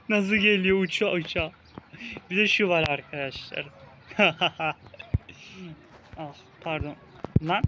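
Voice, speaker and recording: A man's voice: high voice, steady tone, slow pace, pauses often, lo-fi sound, noisy background. A young man hosting a casual let's-play, talking the viewers through the game and playfully teasing the game baby with mock insults. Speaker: gaming video host. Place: outdoors in a park.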